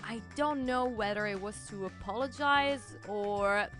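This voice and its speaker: Expressive woman presenter over music. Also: medium pitch, measured pace. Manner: playful asides, expressive emphasis. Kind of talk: scripted educational narration, conversational.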